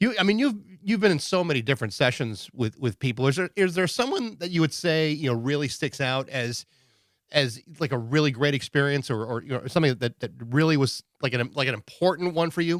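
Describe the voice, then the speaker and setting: Dry and close with no echo, a man's unremarkable speaking voice sits at a fairly high pitch and moves at a fairly quick pace with lively intonation. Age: 50s. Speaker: podcast host. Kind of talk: casual interview.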